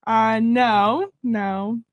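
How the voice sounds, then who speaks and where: A woman's voice: fairly high pitch, steady tone, extremely slow, background noise. An eighteen-year-old woman, a podcast guest giving short, polite answers. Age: teens.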